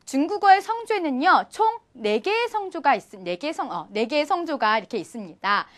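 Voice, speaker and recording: A woman's voice: high-pitched, big pitch swings, fairly quick. A young woman teaching an online Chinese lesson, friendly and encouraging, often asking her viewers questions.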